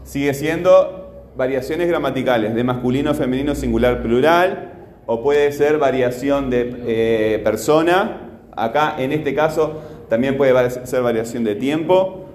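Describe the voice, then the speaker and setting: A man's voice: medium pitch, a little slow, darkish tone, roomy sound, slight background noise. A man teaching a grammar lesson to a class, patient, repeating himself and using many fillers.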